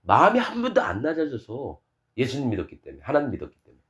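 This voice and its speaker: Emphatic Korean preacher with a lively voice. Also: male voice. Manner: emphatic preaching, swinging between loud peaks and low quiet drops; quotes scripture in a slow, solemn reading voice. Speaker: pastor. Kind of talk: sermon.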